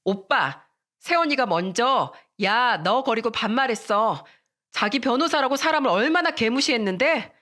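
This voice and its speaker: A woman's voice: a little high, lively intonation, moderate pace, bright, forceful tone, pitched above the performer's own voice. A woman voicing an indignant young sister telling on someone.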